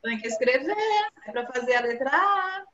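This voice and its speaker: A woman with a high, expressive voice speaks at a normal speed while teaching young children online, patiently coaxing them and stretching out words. She is a primary school teacher with a Brazilian Portuguese accent, and the dull video-call audio captures an echoey room and a noisy background.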